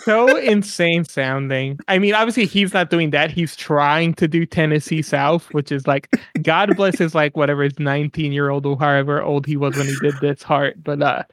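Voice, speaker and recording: A man co-hosting a podcast, rambling and animated in casual chat, cursing freely as he picks apart a TV episode. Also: fairly high pitch, moderate pace, hardly any pauses, dry recording, clean studio sound. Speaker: podcast co-host.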